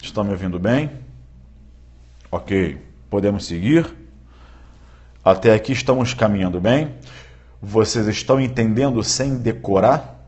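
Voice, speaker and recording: A man giving a live-streamed law lecture, often checking in with viewers and repeating key points slowly for emphasis. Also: on the low side, a little mellow. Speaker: law teacher.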